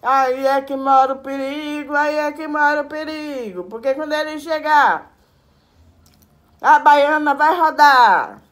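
A woman, chatting to her viewers as a mukbang vlogger while eating with her fingers, telling her story in a chatty, animated way between bites. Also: sits high, unhurried. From Brazil. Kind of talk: casual mukbang chat to viewers.

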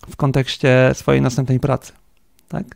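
Mężczyzna, dyrektor techniczny firmy, jako gość rozmowy mówi swobodnie, z wieloma wtrąceniami i pytaniami „tak?”, szczerze i z przekąsem. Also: male voice, mid-range voice, monotone, normal speed, vocal fry, no room sound, clean studio sound. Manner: thinks aloud with many fillers and tag questions. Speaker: guest, company CTO. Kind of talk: casual interview conversation.

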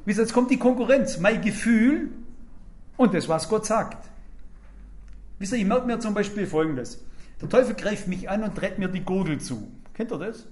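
An older man delivers a sermon in a high-pitched voice. He talks in a lively, emphatic way and keeps acting out the words of the people in his stories. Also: moderate pace. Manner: lively, emphatic storytelling with acted-out quotes. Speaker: preacher.

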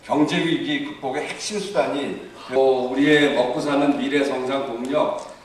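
A man's voice: medium pitch, steady tone, moderate pace, far from the mic. A man giving a formal, earnest presentation at a forum, with hesitant fillers. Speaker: speaker at a policy forum. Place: large conference hall. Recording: echoey hall mic from afar, faint noise.

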